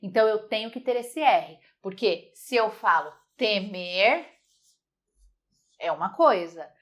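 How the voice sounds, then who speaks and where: A woman teaching a Portuguese grammar lesson, lively and emphatic, repeating words slowly to model their sounds. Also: medium pitch.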